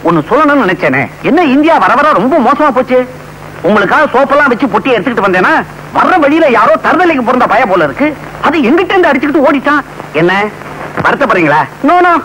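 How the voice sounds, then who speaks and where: A blustering London-returned braggart. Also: male voice, extremely high pitch, big pitch swings, fast, pushed and bright, a little hiss or hum, exaggerated voice, low-quality recording. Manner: boastful, mixes English phrases, theatrical. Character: blustering man posing as a London visitor. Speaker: comic actor in a film scene.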